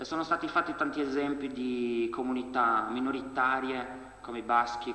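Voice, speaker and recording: A man with a medium pitch and fairly even intonation at a moderate pace, amid noticeable background noise and audible room echo. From Sardinia, Sorso. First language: Sorsese (Sardinian/Sassarese variety) (speaking Italian). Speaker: audience member speaking at a conference. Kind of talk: public speech at conference. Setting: university lecture hall. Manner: halting, many fillers.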